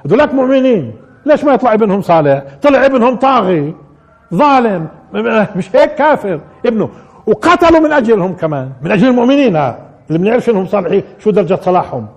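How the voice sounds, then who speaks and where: A man's voice: high-pitched, sing-song, very fast, breathy edge. A man giving a live religious commentary lesson, repeating key phrases and putting rhetorical questions to his listeners. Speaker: religious teacher.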